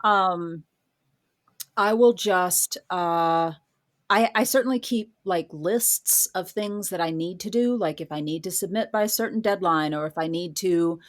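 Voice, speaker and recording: A woman's voice: lowish voice, a little slow. A woman talking casually as an interview guest, explaining things informally with examples. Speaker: guest author.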